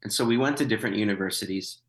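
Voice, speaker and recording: A missionary in his thirties, guesting on a conversational interview, tells his story with wry humor and plenty of fillers and restarts. His lowish, slightly bright voice races along, and the recording is rough.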